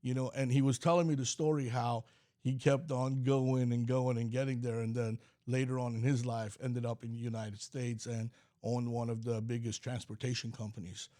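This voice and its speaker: A man's voice: medium pitch, flat delivery, moderate pace, mellow. A man from California, a company president guesting on a podcast, telling stories in a rambling way with lots of fillers. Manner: rambling storytelling with many fillers. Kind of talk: podcast interview.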